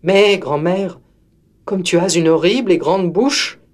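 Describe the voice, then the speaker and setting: A man's voice: high voice, a little slow, pitched above the performer's own voice. A man voicing a timid, sweet little girl in a red hood in a storybook reading, in a raised, wide-eyed voice. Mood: wondering.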